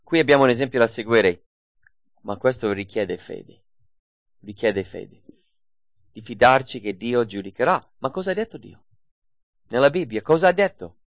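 A man's voice: medium pitch, expressive, moderate pace, pauses often, dry recording. A man preaching a sermon, repeating key phrases and asking rhetorical questions.

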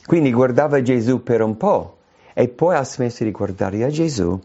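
A man delivers a sermon with a gravelly, mellow voice. His pitch swoops widely, jumping high when he acts out quoted cries. The recording is dull and lo-fi. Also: moderate pace. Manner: animated preaching, voice leaping high when quoting cries. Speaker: preacher.

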